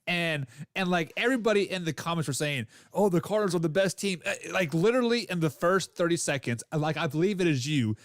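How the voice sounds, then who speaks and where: A man co-hosting a sports chat, speaking casually and haltingly with lots of filler words and restarts. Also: a little high, animated, no room sound, clean studio sound. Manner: halting, heavy filler words, laughs often. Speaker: podcast co-host.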